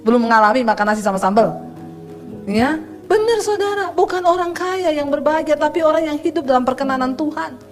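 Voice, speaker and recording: A middle-aged woman pastor giving a lively sermon, telling stories with humor. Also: high-pitched, fairly quick, faint music behind. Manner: lively preaching with storytelling and humor.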